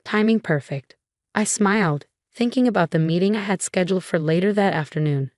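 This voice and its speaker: A woman narrating a scripted first-person revenge story in a composed, even way. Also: fairly low pitch, brisk, no room sound, studio quality.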